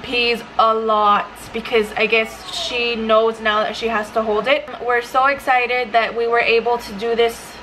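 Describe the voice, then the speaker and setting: A woman's voice: on the high side, level tone, unhurried, few pauses, bright, forceful tone, a little hiss or hum, rough recording. A young woman chatting casually to camera in her living room, a mom vlogger full of "like" and quoted bits of her toddler. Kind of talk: casual vlog talk to camera. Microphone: camera in front.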